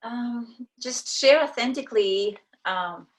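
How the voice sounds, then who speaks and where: Woman in her forties, from Kazakhstan, Russian native speaker, podcast guest, halting speech with fillers. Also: on the high side, a little hiss or hum, poor audio. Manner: hesitant, many ums and restarts. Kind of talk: casual interview talk.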